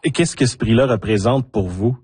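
Calm, slightly husky radio host. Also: male voice, medium pitch, moderate pace, dry recording. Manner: calm, attentive questioning. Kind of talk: radio interview.

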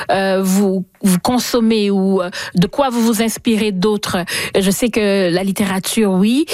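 A woman's voice: a little high, a little mellow, no room sound. A woman interviewer asking questions attentively, with hesitant phrasing and frequent affirming murmurs.

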